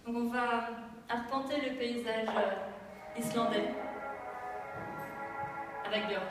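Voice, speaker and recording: A woman's voice: on the high side, slow, over music. Performance artist in her thirties, playful and reflective, recorded live at a distance. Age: 30s. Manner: thoughtful, playful, loosely improvised. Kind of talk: spoken commentary in a live stage performance. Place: arts venue, live performance. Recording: echoey live hall from far off.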